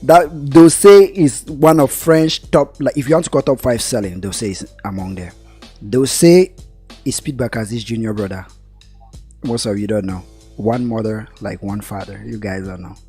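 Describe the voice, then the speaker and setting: A man's voice: medium pitch, moderate pace, warm tone, slightly rough, faint music behind. A man in a casual podcast debate, arguing his points emphatically. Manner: argumentative, emphatic. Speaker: podcast panelist.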